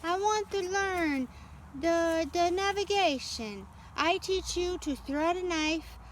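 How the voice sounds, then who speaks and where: A woman voicing an eager, soft-spoken young Hispanic sailor man in a storybook, with halting phrasing and Spanish words. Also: very high voice, slight background noise, voice pushed up.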